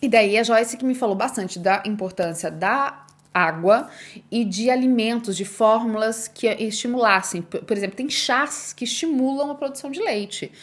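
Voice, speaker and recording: A woman's voice: fairly high pitch, normal speed. A young woman with a Brazilian accent, talking in a casual personal vlog, chatty and emotional, speaking straight to her viewers. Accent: Brazilian Portuguese. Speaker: vlogger.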